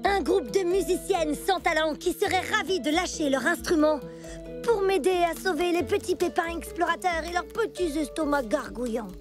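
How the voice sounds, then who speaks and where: A woman's voice: very high voice, normal speed, music in the background. A woman voicing a plucky cartoon girl scout who tells a tall adventure tale in a theatrical, exclamatory way. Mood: suspenseful. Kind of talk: dramatic cartoon storytelling.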